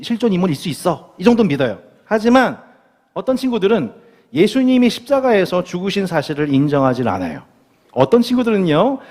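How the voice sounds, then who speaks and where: A male pastor preaches with a fairly high, lively voice that swings up and down as he quizzes the congregation. His delivery is playful and animated. The sound carries a long church-hall reverb from a live service recording. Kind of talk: sermon. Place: church sanctuary.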